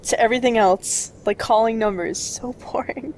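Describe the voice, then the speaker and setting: A woman's voice: a little high, moderate pace, noisy background. Chatty woman co-host of a game video. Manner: chatty, frank, uses "like" a lot. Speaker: let's play co-host. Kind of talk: casual game commentary.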